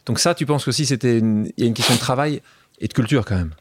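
A man's voice: medium pitch, fast, noisy background. A man hosting a casual interview, asking questions and summing up the guest's points. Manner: conversational, prompts and sums up the guest's points. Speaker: podcast host.

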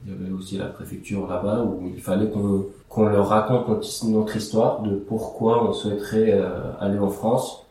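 A man's voice: lowish voice, flat delivery, moderate pace, hardly any pauses, dark tone, very echoey, far from the mic, a little hiss or hum, poor audio. A young man from Iraq, whose first language is Aramaic, answering interview questions in a casual, hesitant way with many fillers and restarts. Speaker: interview guest.

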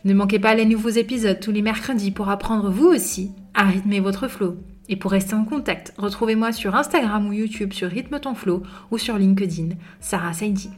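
A woman's voice: medium pitch, normal speed. A woman hosting a podcast interview, upbeat and chatty, with many filler sounds. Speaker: podcast host.

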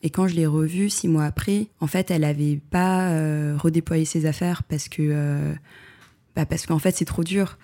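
Hesitant, mellow-voiced woman photographer. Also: sits low, steady tone, moderate pace. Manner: hesitant, many fillers and restarts. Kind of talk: reflective interview answers.

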